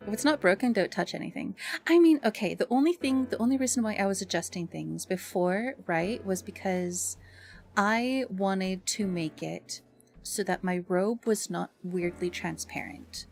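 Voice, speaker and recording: Chatty woman streamer with slightly creaky voice. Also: medium pitch, normal speed. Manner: chatty, self-deprecating grumbling. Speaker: livestream host. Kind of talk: casual livestream chat.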